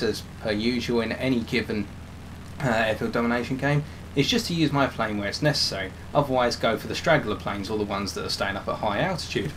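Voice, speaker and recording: A man commentating over his own game footage, slightly hoarse as he is losing his voice, explaining tactics with frequent restarts. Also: medium pitch, a little hiss or hum. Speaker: gameplay commentator.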